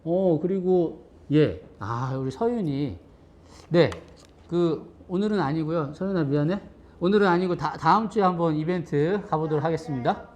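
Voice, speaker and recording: A man with a fairly high, bright-leaning voice greets children by name at the start of a worship service. He is playful and cheerful, counting aloud and joking as he goes. He sounds middle-aged and casual, like a pastor used to talking with kids. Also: moderate pace, slight background noise. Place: church sanctuary.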